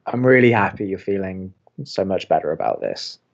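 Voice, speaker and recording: A man's voice: deep voice, wildly swooping pitch, moderate pace, creaky, muffled recording, heavily acted. A man playing a wry, sceptical young college radio co-host in an audio comedy, with a dry, teasing delivery. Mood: curious, supportive. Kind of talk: audio drama romantic comedy dialogue.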